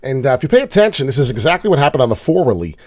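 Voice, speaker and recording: A man hosting a live crypto trading show, a little hoarse from being sick, rambling through charts with lots of filler words. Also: medium pitch, very animated, rapid-fire, darkish tone. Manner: rambling, many "uh" fillers, pleads for likes and subscribes. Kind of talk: casual live market commentary.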